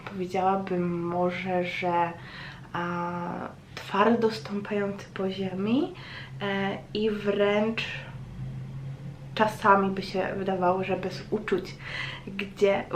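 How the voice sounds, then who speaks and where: A woman talking casually to her vlog audience in a hesitant, reflective way, with frequent pauses. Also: mid-range voice. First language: Polish. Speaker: vlogger. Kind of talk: casual chatty personal vlog monologue. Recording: roomy echo, faint background noise.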